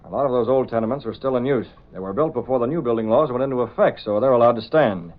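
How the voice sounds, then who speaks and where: Guy doing a calm steady newspaper boss in an old radio play, muffled tinny sound. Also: medium pitch, quick pace, lightly acted. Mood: firm. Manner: calm, firm and reasoning. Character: earnest young newspaper publisher. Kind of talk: 1930s radio drama acting. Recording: lo-fi 1930s radio recording.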